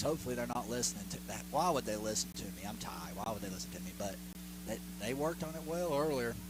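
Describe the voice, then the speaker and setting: Music runs behind this man's voice. Room echo is audible as he talks. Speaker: color commentator. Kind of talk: live sports commentary. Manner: animated.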